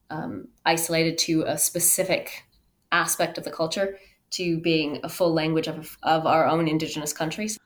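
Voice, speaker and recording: A woman in her thirties speaks as a podcast guest, with a voice on the low side. She tells personal stories in an animated, conversational way, often voicing her own thoughts as quotes. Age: 30s. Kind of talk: conversational interview, personal storytelling.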